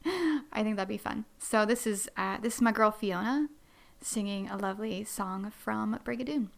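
A woman's voice: medium pitch, normal speed, vocal fry. A woman hosting a solo podcast, chatting in a bubbly, self-deprecating way and rambling with many fillers. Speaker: podcast host.

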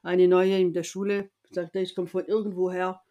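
This French woman, being interviewed, recounts something from her own life with energy, often starting her sentences over and mimicking the people she quotes. Her voice is fairly low, her pace moderate, and the high frequencies are cut off.

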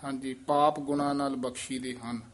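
A man teaching scripture recitation, slowly modelling each phrase and marking where to pause. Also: medium pitch, level tone. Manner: slow, careful, models phrases and marks pauses. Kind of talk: recitation lesson with corrections.

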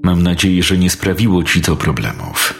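A man's voice: deep voice, big pitch swings, normal speed, vocal fry, soft background music, heavily acted. A man doing a cold, cruel gang leader. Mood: menacing.

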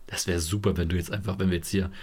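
A man's voice: low voice, flat delivery, fast talker, darkish tone, husky. A man co-hosting a podcast in casual chat, playful and teasing. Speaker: podcast co-host.

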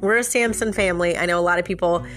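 A woman's voice: on the low side, fast talker, fairly bright tone, faint music behind. A woman hosting a podcast with a nasal, stuffed-up voice from a sinus infection, telling a casual story and chatting straight to listeners with frequent little laughs. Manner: chatty, laughs often, addresses listeners directly. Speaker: podcast host.

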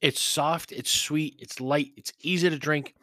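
A man's voice: on the high side, fairly even intonation, a little slow, bright, forceful tone, dry recording, clean studio sound. Blunt, profane man reviewing whiskey. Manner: blunt, profane, chatty with mocking asides. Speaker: podcast host reviewing whiskey. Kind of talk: casual spoken review.

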